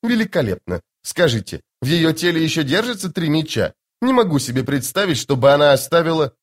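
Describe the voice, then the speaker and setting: A woman's voice: low-pitched, big pitch swings, a little fast, pitched above the performer's own voice. A man voicing a vain, cheerful woman in white who chatters sweetly and admires herself, in an audiobook. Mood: curious. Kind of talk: audiobook character voice.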